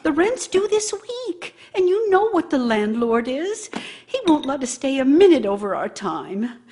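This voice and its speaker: An actress playing a bitter, nagging wife in a radio drama, scolding her idle husband with theatrical sarcasm and scorn. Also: high voice. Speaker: actor in a radio play.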